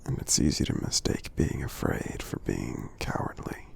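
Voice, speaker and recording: A man voicing a friendly, kindly giant in an ASMR roleplay, speaking softly and breathily with a gravelly edge, in a tender, halting, encouraging way. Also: very deep voice, animated, full character voice. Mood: earnest, encouraging. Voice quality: soft, breathy, half-whispered, gravelly. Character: gentle friendly male giant, kindly and reassuring.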